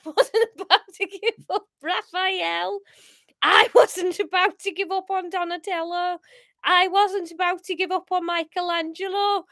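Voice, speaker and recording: A woman's voice: extremely high pitch, a bit bright, dry recording, studio quality, pitched above the performer's own voice, full character voice. A woman voicing an earnest, defiant man from a story declaiming long-winded last words in an attempted Scouse accent. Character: earnest, defiant male captive giving melodramatic last words.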